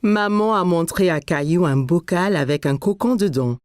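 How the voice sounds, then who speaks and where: A woman playing a gentle storyteller who narrates a children's cartoon in scripted storybook style. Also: fairly low pitch, moderate pace, dry recording, clean studio sound, natural voice. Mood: storytelling. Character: gentle storyteller narrating a small boy's day.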